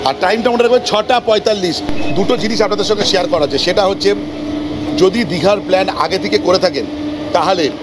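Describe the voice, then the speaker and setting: A man giving a casual travel vlog, chatting and explaining things to viewers and companions. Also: brisk. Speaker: travel vlogger. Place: aboard a local train. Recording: noisy train ambience. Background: train and vehicle rumble.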